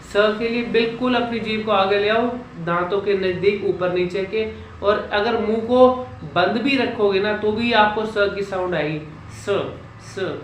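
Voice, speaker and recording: A man working as a speech coach, explaining how sounds are made and slowly drilling single syllables in an instructional vlog. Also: high-pitched, slight background noise. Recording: echoey room with faint ambience.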